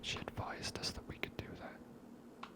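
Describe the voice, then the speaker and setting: In an ASMR series, the female host offers relaxed, musing commentary on a video game. She takes her time and speaks only in a soft, breathy whisper.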